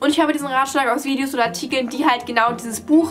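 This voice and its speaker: Against light background noise, a woman with a high pitch speaks at a very fast pace with fairly even intonation. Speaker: book vlogger. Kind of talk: casual vlog chat. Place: home room. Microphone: webcam.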